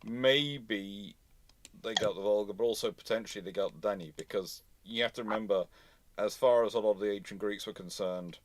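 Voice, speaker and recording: A man's voice: on the low side, fairly quick, slight background noise. A man hosting an unscripted history discussion, thinking aloud and often rephrasing as he answers questions. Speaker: host answering audience questions.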